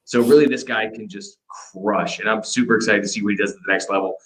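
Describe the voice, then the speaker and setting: A man co-hosting a sports podcast, giving a quick, energetic casual breakdown of draft prospects. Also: fairly low pitch, poor audio. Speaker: podcast co-host. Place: hotel room.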